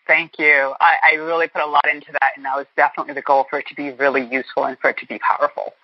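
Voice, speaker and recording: A woman's voice: sits low, level tone, rapid-fire, dry recording. A woman in her forties from Boston, a guest author speaking earnestly and reflectively in an interview. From Boston, United States. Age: 40s. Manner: earnest, reflective, thinking aloud. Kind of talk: conversational interview. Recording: muffled, dry lo-fi line.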